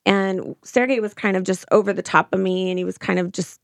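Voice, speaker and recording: A woman giving a personal account in an interview. Her voice has a lot of vocal fry and sounds close and dry. She talks informally and haltingly, restarting phrases as she goes. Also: mid-range voice, steady tone, no room sound. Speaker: interview guest.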